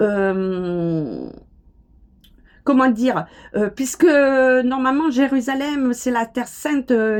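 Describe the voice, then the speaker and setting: A woman's high voice at a very slow pace, with ordinary pitch variation. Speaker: psychic medium, channel host. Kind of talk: psychic predictions monologue. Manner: hesitant, many filler sounds.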